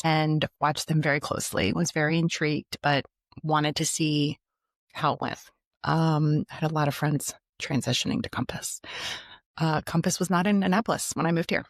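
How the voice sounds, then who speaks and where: A woman's voice: sits low, dry recording, studio quality. A middle-aged woman real estate agent answering interview questions in a thoughtful, upbeat way, sometimes correcting herself mid-sentence.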